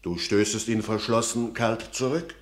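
A man's voice: fairly low pitch, steady tone, normal speed, natural voice. An actor playing an anxious, pious old peasant father in a classical radio play, solemn and declamatory. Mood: reproachful. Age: older.

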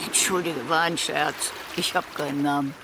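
An actress playing a chatty, laid-back old female sea creature in a naturalistic radio play, nonchalant and deadpan. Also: sits low, normal speed, vocal fry, background noise. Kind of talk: naturalistic conversational radio drama. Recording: loud splashing water behind the voice. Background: sea water splashing and trickling.

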